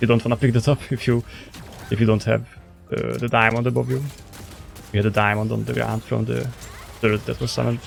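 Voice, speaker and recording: Music plays in the background as a man talks at a very fast pace. He leaves long, frequent pauses. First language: Hungarian. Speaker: gamer. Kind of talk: tutorial. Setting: gameplay voice-over. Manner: halting.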